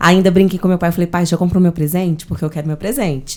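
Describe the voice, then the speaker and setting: A woman's dark, mellow tone comes through at a fairly low pitch with fairly even intonation. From Brazil, Sete Lagoas, Minas Gerais. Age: 20s. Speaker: psychologist and digital influencer. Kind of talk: interview. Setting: web radio studio.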